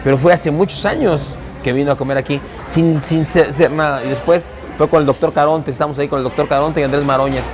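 A man in his forties with a Mexican accent, the owner of a taquería, tells its story in a seated camera interview in the busy indoor dining room. His voice is a little high with fairly even intonation, and he talks easily and quickly with hardly any pauses, though he sometimes restarts hesitantly. Music plays beneath his voice.

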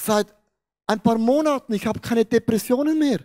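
A man, preaching a sermon into a handheld mic on a large church stage and acting out a story, swinging between loud and hushed. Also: very high-pitched, normal speed. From Switzerland. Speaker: pastor.

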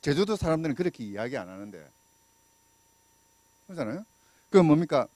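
A middle-aged man lectures on law with a handheld mic in a small room, his voice close and dry. His pitch sits a little high and swings widely as he talks. He keeps it conversational and tosses questions out to the listeners. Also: big pitch swings, a little fast, a little mellow, no room sound. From Busan, South Korea. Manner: conversational, asks the audience questions, many fillers; gestures and walks while talking. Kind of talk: public lecture.

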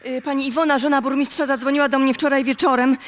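A woman acts out an anxious cleaning lady in a radio drama. Her voice is high, and she stammers and repeats words in a nervous, flustered way. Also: little pitch movement, fast, close to an everyday voice. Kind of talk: radio play acting. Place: music studio, played live before an audience.

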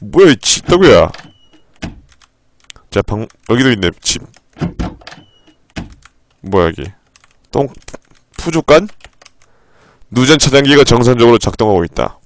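During a live game stream, a man recites the game's text in a low monotone and occasionally lets loose with sudden cursing. His delivery is a little slow, with long pauses, and there's no room sound.

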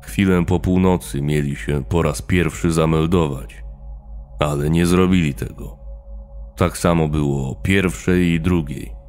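A shaken middle-aged army warrant officer, read by a male narrator recounts a night watch in a grim, matter-of-fact way. The voice sits very low and moves at an unhurried, deliberate pace. A faint music bed runs beneath the horror story reading. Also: fairly even intonation, a little mellow.

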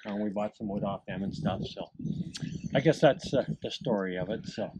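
A man's voice: on the low side, moderate pace. A middle-aged man telling a rambling story about his barn outdoors, with plenty of fillers and chuckles. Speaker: barn owner. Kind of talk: casual storytelling. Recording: outdoor camera audio with clear background noise.

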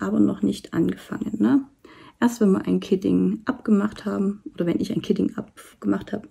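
Woman chatting away while she paints, husky kinda gravelly voice, lots of ums, rambly. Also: medium pitch. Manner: chatty, rambling, many fillers and soft asides. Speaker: diamond painting vlogger. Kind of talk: casual chat while painting. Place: indoors at a table. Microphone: camera over the work table, hands seen.

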